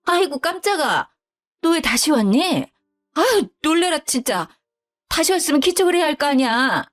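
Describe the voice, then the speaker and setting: A woman's voice: on the high side, sing-song, moderate pace, a bit bright, faint music behind. A woman voicing a curt, self-pitying widowed older mother-in-law who grumbles bluntly. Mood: defensive.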